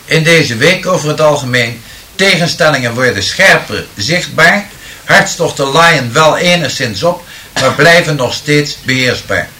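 Man, slightly high voice, very slow and measured delivery with hesitant fillers, lecturing to an audience and reciting verse. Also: expressive, sharp tone. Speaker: speaker answering audience questions. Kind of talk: deliberate lecture and improvised rhyming verse.

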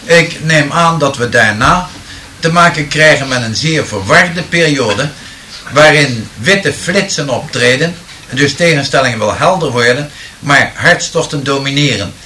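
A man answers an audience's questions in a measured, deliberate way, then recites improvised rhyming verse, occasionally hesitating with fillers. His voice is medium-pitched, animated, and sharp, with slight background noise.

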